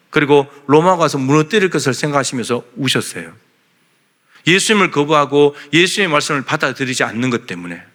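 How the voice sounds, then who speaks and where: A man's voice: a little high, bright, forceful tone. A male pastor preaching a sermon in a church, earnestly voicing God's questions to the congregation. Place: church sanctuary.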